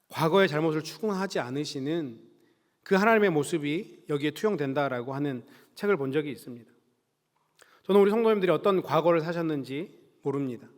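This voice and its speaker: A male pastor preaching a Sunday sermon in a church sanctuary, earnest and measured, slowing down to stress key words. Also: a little high. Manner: earnest, measured preaching with slow emphatic stretches. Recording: reverberant church hall.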